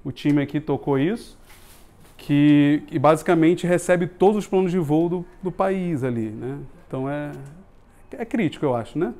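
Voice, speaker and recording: A man's voice: a little high, moderate pace. A man in his thirties with a Brazilian accent, giving a casual, jokey meetup talk in a small office room, recorded from a far camera. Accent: Brazilian Portuguese. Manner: informal, jokey, swears casually, lively hand gestures. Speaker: meetup speaker on UX.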